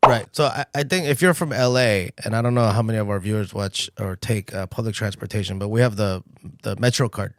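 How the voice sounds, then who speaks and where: A man's voice: on the low side, a little fast, few pauses, no room sound, studio quality. A man hosting a casual podcast chat, asking questions and telling stories with frequent ums. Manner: animated storytelling, frequent ums. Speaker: podcast host.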